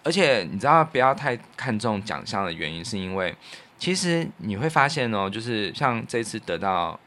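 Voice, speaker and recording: A man's voice: fairly low pitch, big pitch swings, normal speed, pushed and bright. A man with a Taiwanese Mandarin accent co-hosting a podcast, telling stories casually in an earnest, reflective, colloquial way. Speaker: podcast co-host and radio professional. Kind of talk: casual conversational storytelling.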